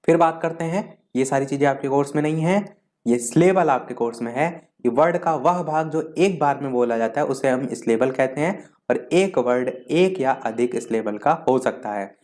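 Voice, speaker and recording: A male teacher giving an exam revision lesson, explaining step by step and listing terms one by one, slowing down to read out definitions. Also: mid-range voice, a little mellow. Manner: slows down to read out English definitions.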